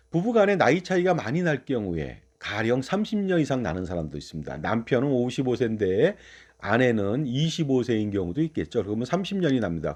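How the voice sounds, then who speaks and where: A middle-aged man walks through pension rules in an explanatory talk. His voice is warm and mellow, and it swings up and down with lively emphasis. Now and then he turns to the listener with a rhetorical question. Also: mid-range voice. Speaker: finance channel host.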